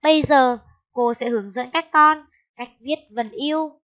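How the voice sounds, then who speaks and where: A woman teaching a first-grade lesson, speaking slowly and clearly and spelling out syllables in a raised, sing-song voice. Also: sits high. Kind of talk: slow, clear classroom lesson. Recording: dull lo-fi sound.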